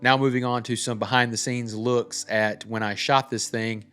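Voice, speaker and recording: A man's voice: medium pitch, flat delivery, normal speed, a bit bright, clear, resonant tone. Brief: male filmmaker presenting a casual behind-the-scenes breakdown, mid-range voice, faint music underneath. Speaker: filmmaker presenting a breakdown of their own short film. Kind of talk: casual tutorial talk. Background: background music.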